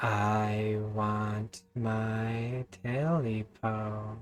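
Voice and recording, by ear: A croaky, hoarse put-on character voice from a man. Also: medium pitch for a man.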